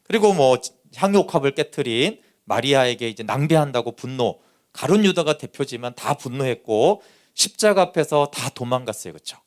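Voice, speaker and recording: A man who is a pastor preaching a Sunday sermon, lively and conversational, often acting out what people said. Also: mid-range voice, normal speed. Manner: animated preaching that acts out quoted speech.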